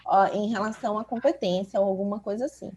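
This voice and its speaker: A woman's voice: mid-range voice, steady tone, quick pace, a little mellow, highs cut off. A woman from Salvador with a Bahian accent, a doctor co-hosting a podcast, talking reflectively and telling stories with frequent "né?" tags. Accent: Bahian Portuguese. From Salvador, Bahia, Brazil. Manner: reflective, storytelling, many filler tags like "né". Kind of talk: casual conversation.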